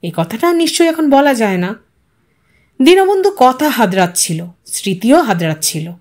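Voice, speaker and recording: A woman's voice: fairly high pitch, big pitch swings, normal speed, a little mellow. A woman reading a story aloud as a scripted audiobook narration.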